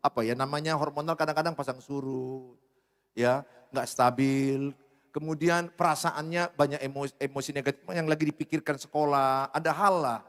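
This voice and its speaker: A man preaching a sermon as pastor, speaking in a humorous, animated way. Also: on the high side. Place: church hall. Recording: reverberant church hall.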